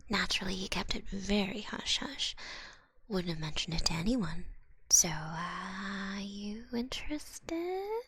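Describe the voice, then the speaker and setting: A woman plays a little old goblin swindler in an ASMR roleplay. The voice is breathy and crackles with gravel, and it takes its time. The manner is folksy and wheedling, a smooth sales pitch with gentle menace underneath. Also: lively intonation, slow pace, no echo, heavily acted. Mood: wheedling, sly. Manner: folksy, wheedling hustler patter.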